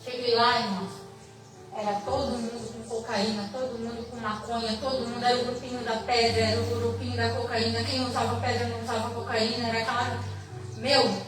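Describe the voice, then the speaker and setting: A woman's voice: a little high, little pitch movement, fast, hardly any pauses. A woman giving an emphatic church testimony, repeating herself and speaking straight to the congregation. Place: church retreat hall. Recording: echoey hall, distant mic, music behind.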